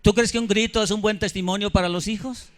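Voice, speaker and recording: A man's voice: sits high, fairly even intonation, fast talker. A man, preaching a sermon as pastor with emphasis, keeps putting questions to the congregation. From Mexico. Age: 50s.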